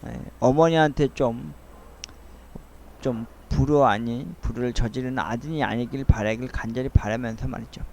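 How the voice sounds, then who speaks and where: A middle-aged man rambling through a soliloquy-style audio essay, speaking in a halting, earnest and wistful way. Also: medium pitch, steady tone, creaky, a little mellow, a little hiss or hum. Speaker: host of a monologue essay channel.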